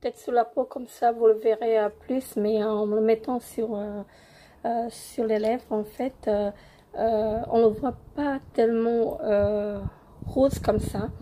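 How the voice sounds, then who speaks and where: Slow, hoarse young woman reviewing makeup. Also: a little high, steady tone, mellow. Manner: hesitant, many fillers and repeated words. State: hoarse from a cold. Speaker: beauty vlogger. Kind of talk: casual product review.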